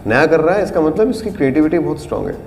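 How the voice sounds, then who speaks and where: A man's slightly high, sing-song voice races along with a darkish tone as he teaches acting in a studio room. He explains auditions with patience and acts out lines at shifting tones and volumes. The recording is reverberant, with faint noise in the background.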